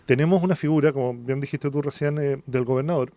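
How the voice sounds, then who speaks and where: A man's voice: mid-range voice, fast, mellow, no echo. A man with a Chilean accent speaking as an academic guest in a radio interview, explaining things and checking for agreement with tag questions. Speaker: academic guest, architecture vice dean.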